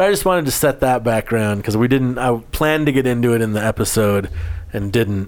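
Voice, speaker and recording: This man speaks very fast. For a man, his pitch sits in the medium range. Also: ordinary pitch variation. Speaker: podcast co-host. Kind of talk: casual chat. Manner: talks over co-host a lot.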